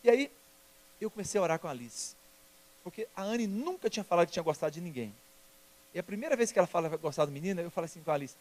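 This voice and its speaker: High-voiced pastor telling stories. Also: male voice, racing. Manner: storytelling, emphatic, lively. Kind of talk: sermon.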